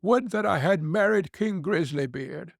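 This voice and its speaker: A man's voice: high-pitched, lively intonation, a little slow, gravelly, no room sound, studio quality, pitched above the performer's own voice, exaggerated voice. A man voicing a proud, spiteful young princess in a read fairy tale. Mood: regretful. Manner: scornful, mocking.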